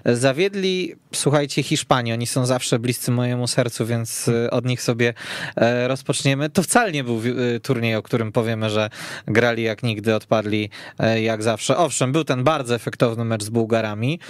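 A man's voice: medium pitch, normal speed, no room sound. A man hosting a football discussion in a radio studio. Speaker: podcast host.

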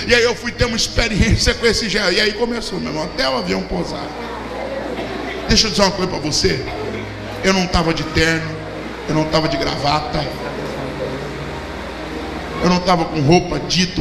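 Brazilian pastor preaching in a big echoey church, kinda high voice, handheld mic, noisy room. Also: male voice, gravelly. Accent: Brazilian Portuguese. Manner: preaching with storytelling and humor, hand-held mic, animated gestures. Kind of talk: sermon. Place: large church hall with a packed congregation. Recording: echoey hall with crowd hum.

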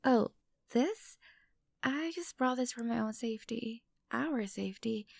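A woman's voice: on the high side, no room sound, studio quality. A woman playing an obsessive, unstable young stalker girlfriend in an intimate ASMR roleplay, sweet and menacing by turns. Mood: nervous coaxing. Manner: breathy whispers, halting, swinging from coaxing to outbursts. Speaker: voice actor in audio roleplay.

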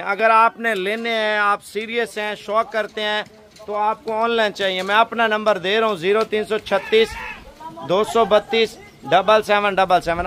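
A young man from Pakistan, making a persuasive selling pitch to camera from an outdoor goat pen, filmed on a phone held at arm's length. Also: a bit bright. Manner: persuasive, salesy, heavy religious fillers. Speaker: goat farm seller.

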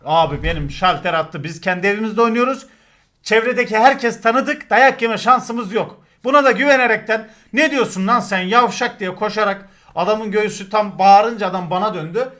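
A man, telling crude football stories to his stream chat in a casual, animated way, swearing and acting out shouts. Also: sits high, moderate pace.

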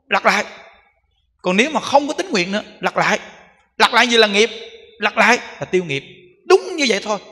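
A Buddhist monk giving an emphatic sermon, full of rhetorical questions and repetition. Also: male voice, sits high, bright, forceful tone, in a large hall.

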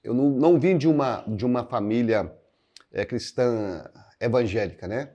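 A pastor from Minas Gerais, Brazil, in his sixties, gives reflective interview answers to camera in a living room hung with paintings, recorded on a clip-on lapel mic with lo-fi sound. His mid-range voice is mellow, and he speaks unhurriedly, searching for words, saying "né" often and gesturing with both hands.

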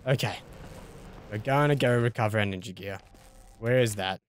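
A man's voice: lowish voice, normal speed, smooth. A young Australian man giving casual let's play commentary, thinking aloud and swearing mildly as he plays. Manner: casual, muttering thoughts aloud with mild swearing. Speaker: gaming YouTuber.

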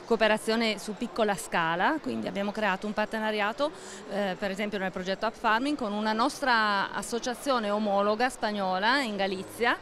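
A middle-aged woman interviewed at a fair stand, explaining a project in a measured way with frequent pauses and fillers, speaking into a handheld mic. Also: medium pitch, background noise. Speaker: interviewee, agricultural association staff. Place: indoor exhibition stand at a book fair.

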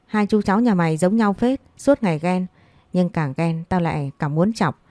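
A wisecracking young man mocks his chatty friend with wry jabs, as a woman reader puts him on. The delivery is mellow and low, recorded close and dry. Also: moderate pace, no room sound, natural voice. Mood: mocking.

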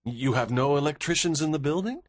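Man playing a coolly calculating genius prisoner, husky. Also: on the high side, lively intonation, brisk, no room sound, studio quality, voice pushed up. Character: calm, calculating male genius held prisoner.

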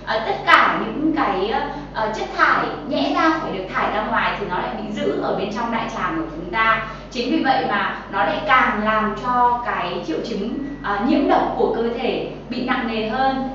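A woman's voice: fairly high pitch, animated, normal speed, heavy reverb, far from the mic, muffled recording, background noise. A young Vietnamese woman presenting a healthy-drink tutorial in a kitchen studio, chatty and full of filler sounds, talking straight to viewers. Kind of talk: cooking and nutrition tutorial. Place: bright kitchen studio set, indoors.

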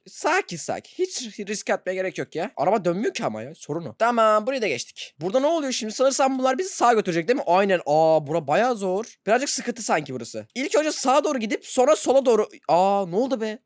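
A man hosting a gaming channel, giving excitable let's-play commentary, laughing often and yelping when surprised. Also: sits high, no echo, studio quality.

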